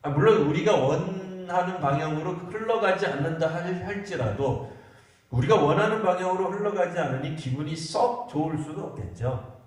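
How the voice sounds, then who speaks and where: A male pastor preaches in a loose, conversational way and keeps turning to his congregation with rhetorical questions. His voice sits a little on the high side. It carries from a distance through a big, booming church hall. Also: animated, moderate pace. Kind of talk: sermon at a Friday prayer meeting. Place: church sanctuary.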